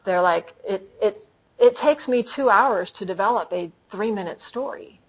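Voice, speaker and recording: Husky-voiced woman telling stories conversationally. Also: medium pitch, moderate pace, low-quality recording. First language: English. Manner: animated, frequent restarts. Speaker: speaker training storytellers. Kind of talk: conversational talk with audience questions.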